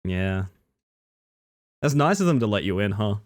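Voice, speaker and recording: A man's voice: fairly low pitch, sing-song, normal speed. A man with an Australian accent, chatting casually with his live-stream audience while gaming, reading chat aloud and swearing now and then.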